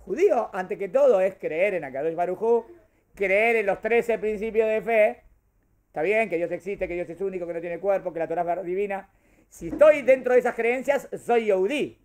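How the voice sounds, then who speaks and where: Man, high voice; teacher quizzing his students, lively and rhetorical. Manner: questioning and animated, answers his own questions. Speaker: rabbi teaching a class. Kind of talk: Torah class to a group.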